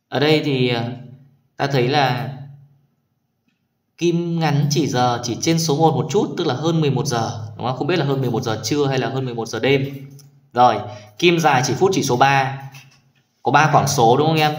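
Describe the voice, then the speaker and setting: A man's voice: mid-range voice, reverberant. A man teaching primary school math in a video lesson, patiently explaining each exercise and checking in with his pupils. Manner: patient, addresses pupils warmly with tag questions.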